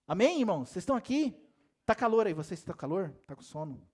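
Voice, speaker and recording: This male pastor talks quickly in a high, sing-song voice that is a little mellow and slightly rough. His lively church sermon is full of rhetorical questions aimed straight at the congregation, along with jokes and laughter.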